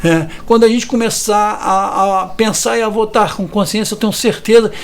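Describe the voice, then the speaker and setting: Fiftysomething rio guy, really high voice, fired up and indignant, keeps tacking on tag questions. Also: fairly even intonation, normal speed, gravelly. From Brazil. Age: 50s. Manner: hesitant restarts. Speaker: community resident interviewed about evictions. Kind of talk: earnest interview testimony.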